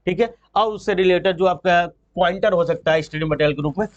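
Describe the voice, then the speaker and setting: A man's voice: high-pitched, quick pace. A man presenting an exam-prep book walkthrough in an informal, explanatory way, mixing in English terms. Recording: dull, lo-fi sound.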